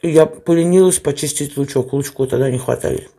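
A woman's voice: sits low, fairly quick, warm tone, husky. A woman vlogger chatting casually to camera with her mouth full, blunt and offhand, chewing between phrases. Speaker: mukbang vlogger. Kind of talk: casual chat to camera while eating.

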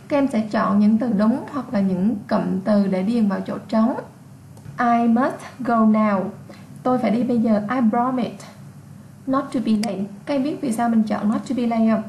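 A woman's voice: fairly high pitch, a little mellow, reverberant, slight background noise. A woman from Vietnam with a Vietnamese accent, teaching an English exam lesson, patiently repeating words and explaining their sounds.

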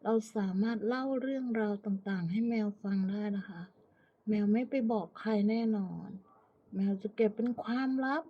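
A woman from Thailand chatting casually and politely to viewers as a pet owner, in an unhurried, coaxing manner. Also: a little high. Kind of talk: casual chat to viewers while watching her pet cat. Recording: muffled, lo-fi, phone-like narrow sound.

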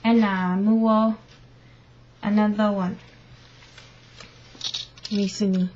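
Slow-talking young woman on webcam. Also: medium pitch, level tone, darkish tone, a little hiss or hum. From born in London, part raised in Ghana. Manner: slow, thoughtful, reads questions aloud. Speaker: vlogger. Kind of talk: casual talk to webcam, mixing English and Fante. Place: living room at home, indoors. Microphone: built-in webcam mic. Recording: dull lo-fi webcam audio.

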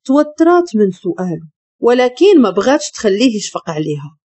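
A woman with a Moroccan Arabic accent narrating a dramatic story in an expressive, emotional way. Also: fairly high pitch, a little fast, husky, dry recording.

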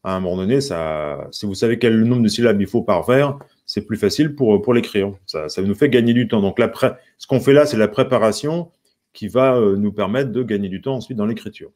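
A man's voice: on the low side, a little fast, darkish tone. A French man teaching a live songwriting lesson, patiently counting syllables with viewers and greeting them by name. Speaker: music teacher.

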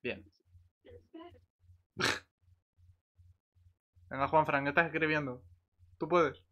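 A man with an accent from Spain chatting casually over a voice call, in a halting way that repeats words. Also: on the high side, steady tone, pushed and bright. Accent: Spanish from Spain. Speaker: gamer in a voice chat. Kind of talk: casual chat. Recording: slightly dull voice-chat audio.

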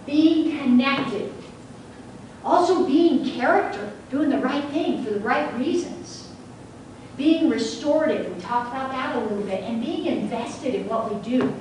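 Woman, workshop presenter, engaging with audience, higher voice, distant room recording, heavy echo. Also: lively intonation, unhurried, darkish tone, a little hiss or hum. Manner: engaging, asks the audience questions. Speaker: workshop facilitator. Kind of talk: teacher training presentation. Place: large training room with seated audience. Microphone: room recording from the back. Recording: very echoey room from far off.

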